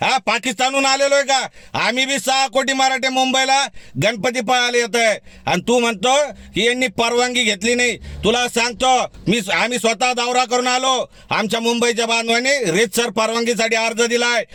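A man's voice: extremely high pitch, steady tone, normal speed, pushed and bright, no echo, clean studio sound. A man, an activist giving a heated, defiant rebuttal straight to the camera. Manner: defiant, heated, direct address. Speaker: community activist. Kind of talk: fiery video rebuttal.

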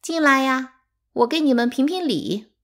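A woman's voice: mid-range voice, big pitch swings, measured pace. A woman reading aloud, voicing a scheming middle-aged concubine who speaks slyly, with false sweetness. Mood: loud.

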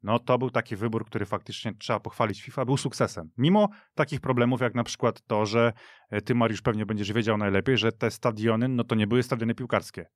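A man of average pitch reflects at length as a sports podcast panelist. His delivery is thoughtful and unscripted, and the recording is close and dry. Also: fast talker, no echo.

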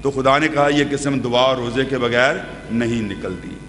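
A man's voice: medium pitch, fairly even intonation, normal speed, a bit bright. A middle-aged man preaching a sermon at a podium, asking the congregation questions and gesturing broadly. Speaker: pastor. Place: church hall with brick wall, indoors. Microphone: podium microphones. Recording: reverberant church hall with faint hum.

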